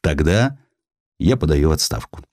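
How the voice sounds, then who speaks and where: A man's voice: rumbling low, very animated, moderate pace, darkish tone, no room sound, clean studio sound. A man voicing a proud, determined young aristocratic naval officer who speaks firmly and with dignity.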